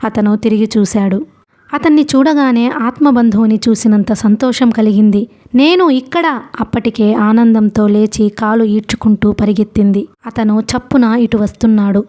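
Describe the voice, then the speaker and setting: A woman's voice: fairly high pitch, steady tone, moderate pace, dark tone. A young adult woman, host of the channel, narrating a novel as an audiobook storyteller and voicing the characters in her own voice.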